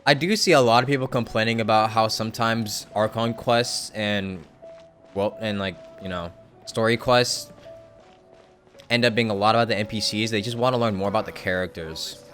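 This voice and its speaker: A man's voice: on the low side, steady tone, normal speed, a bit bright, soft background music. A young man casually commenting on a game story during a live stream, rambling with hedges and the odd swear word.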